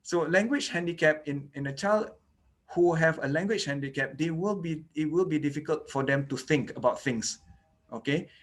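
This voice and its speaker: A man whose first language is Malay, giving an online lecture on child dental care, explaining step by step with frequent "okay" and "you know". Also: fairly high pitch. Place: indoors, online lecture recording.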